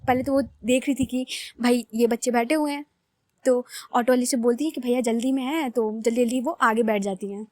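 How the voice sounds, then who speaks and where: A young woman talking in a high, bright voice. She rambles casually and often laughs at herself, like chatting with friends. The recording is dry and close, with no echo. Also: a little fast. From Uttar Pradesh, India. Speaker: storyteller. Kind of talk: casual storytelling vlog.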